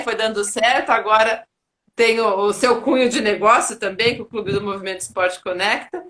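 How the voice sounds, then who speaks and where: A woman's voice: medium pitch, a bit bright. A Brazilian woman hosting a casual live sports chat, chatty and playful, laughing easily. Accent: Brazilian Portuguese. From Brazil, raised in Paraná.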